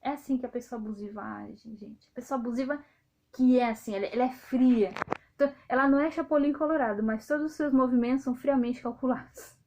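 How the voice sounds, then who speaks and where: A Brazilian woman in her thirties, speaking with a Brazilian accent, talking straight to her viewers in a loud, outspoken, indignant way. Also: fairly high pitch, fast. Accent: Brazilian Portuguese. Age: 30s. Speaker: video host. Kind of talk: casual monologue to viewers.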